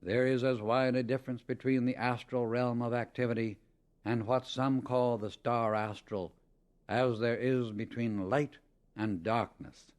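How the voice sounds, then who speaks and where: A man with a mid-pitched, steady-toned voice reads a spiritual teaching from a script. He speaks solemnly and deliberately, stressing key words firmly in the manner of an audiobook narrator.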